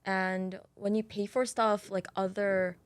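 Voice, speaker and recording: A woman's voice: mid-range voice, little pitch movement, a little slow, clean tone. A woman on a podcast explaining things casually, with many likes and ums.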